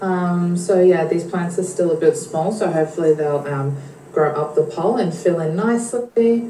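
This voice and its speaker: Noticeable background noise accompanies a woman with an Australian accent. She speaks at a moderate pace and a fairly low pitch, with ordinary pitch variation. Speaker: plant hobbyist. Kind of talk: video walkthrough.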